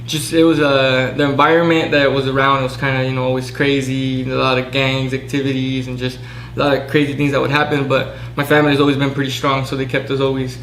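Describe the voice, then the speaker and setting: A man's voice: medium pitch, fast talker, echoey room, slight background noise, rough recording. A man in his twenties from Southern California, a pro boxer talking casually as a guest with lots of fillers. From Southern California, USA. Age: 20s. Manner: relaxed, fillers, flat delivery. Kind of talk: casual interview.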